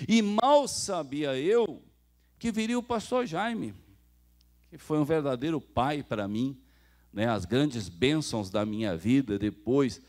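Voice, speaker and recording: A man's voice: mid-range voice, expressive, slow pace, a little mellow. A man preaching a sermon in a Brazilian Portuguese accent, telling stories and acting out the dialogue while speaking straight to the congregation. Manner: storytelling preacher who acts out quoted dialogue; addresses the congregation directly. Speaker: pastor.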